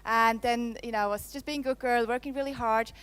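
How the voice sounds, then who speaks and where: A woman in her thirties, raised in Switzerland, speaks with a Swiss accent tinged with French. Her voice is smooth and clear and sits a little high. She gives a conference keynote on a handheld mic in a playful way and teases the audience. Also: steady tone, fairly quick, fairly bright tone. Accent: Swiss, with some French. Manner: playful, teasing the audience, laughs often. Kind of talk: live keynote presentation. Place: conference hall. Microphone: handheld microphone.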